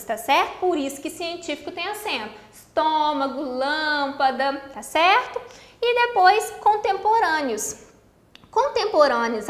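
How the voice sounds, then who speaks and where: Brazilian lady teacher, high bright voice, quizzes the class then answers herself, echoey room. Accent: Brazilian Portuguese. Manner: explains step by step, asks the class questions and answers them; stretches out key words slowly. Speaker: Portuguese teacher. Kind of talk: exam-prep grammar lesson.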